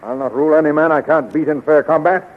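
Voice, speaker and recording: A man's voice: fairly high pitch, steady tone, fast talker, natural voice. Man acting a bold hero through heavy static. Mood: confident. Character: bold, fair-minded young American hero turned king. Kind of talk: 1930s radio serial acting. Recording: very noisy, tinny 1930s radio recording.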